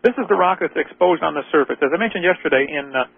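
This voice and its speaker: A man hosting a call-in radio show talks quickly, lecturing and peppering the caller with rhetorical questions. His voice is gravelly and husky, a little high for a man. The sound is tinny, like a radio broadcast carried over a phone line. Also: dry recording.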